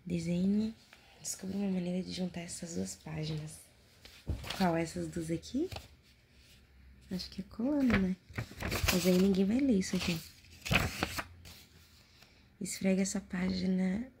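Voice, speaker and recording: A Brazilian woman murmurs casual ASMR as if right in your ear. Her low, gravelly voice often drops into a whisper while she reads aloud and adds offhand remarks. The close home recording has clear background noise. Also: unhurried, pauses often. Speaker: ASMR video host. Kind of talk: soft-spoken and whispered ASMR, casual chat. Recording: noisy close home recording, handling clicks.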